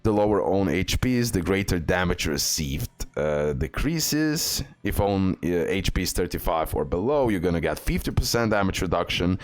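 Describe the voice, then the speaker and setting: Deep-voiced man talking through game skills. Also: sing-song, normal speed, hardly any pauses. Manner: reads skill text aloud with fillers and restarts. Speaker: gaming video host. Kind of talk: game tier list commentary.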